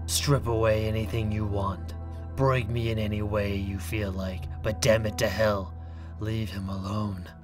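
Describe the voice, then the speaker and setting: A man's voice: lowish voice, close to an everyday voice. A man playing a proud young tycoon in an audio drama, pleading intensely and desperately. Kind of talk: anime fan audio drama acting. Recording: music under the voice.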